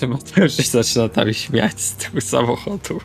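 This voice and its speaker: A man's voice: medium pitch, lively intonation, moderate pace, vocal fry. A man playing a tabletop role-playing game, improvising casually in and out of character in a blunt, sweary way. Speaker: tabletop role-play player. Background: faint music.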